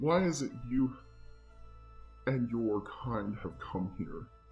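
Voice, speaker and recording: Clear music plays behind a man using a rumbling, put-on character voice. He is at medium pitch and a fairly slow pace. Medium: actual play. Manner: grave, measured, formal.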